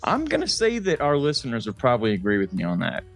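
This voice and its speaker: A man's voice: medium pitch, huge pitch swings, fast, faint music behind. A man in his forties co-hosting a casual comedy podcast, joking crudely and arguing points. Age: 40s. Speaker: podcast co-host.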